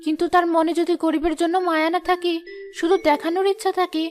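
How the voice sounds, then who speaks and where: Brief: a woman as a gentle village mother for a cartoon, very high voice. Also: level tone, fast, soft background music. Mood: reassuring. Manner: soothing, reassuring. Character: kind village mother, patient and pious.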